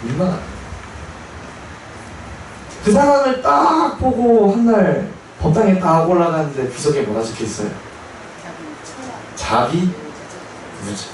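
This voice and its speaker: A man, a Buddhist chaplain monk, telling a story in a dharma talk with animated delivery and acted-out voices. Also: high voice, measured pace, long pauses, slight background noise. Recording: echoey hall, voice from far off.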